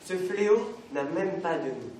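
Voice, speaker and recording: A solemn head of state speaks slowly and grandly in a somewhat high voice, as a young man plays him on a school stage. He is heard from far off in a very echoey hall, with faint noise. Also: sing-song, mellow. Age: teenage. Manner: slow, solemn, oratorical. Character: solemn male head of state giving a formal address.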